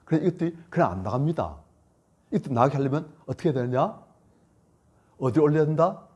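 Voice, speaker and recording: A male pastor preaching with a husky, slightly high voice that rises and falls in wide swings. He drives his points home by repeating them. His delivery jumps between forceful lines and near-whispers. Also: lively intonation, quick pace, lo-fi sound. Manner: emphatic and repetitive, swinging between loud and hushed. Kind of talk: sermon at a church retreat.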